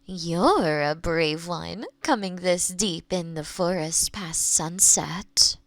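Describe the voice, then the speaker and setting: A woman playing a kind, playful young witch who lives alone in the forest, speaking gently and teasingly to the listener in a roleplay audio drama. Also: lowish voice, dry recording. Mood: playful, welcoming. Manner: gentle, unhurried, teasing, with soft chuckles.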